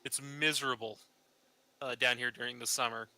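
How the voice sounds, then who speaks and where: A man from Texas in casual group chat, telling things in a halting, conversational way. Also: mid-range voice, fairly even intonation, pushed and bright, rough recording. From Texas, United States.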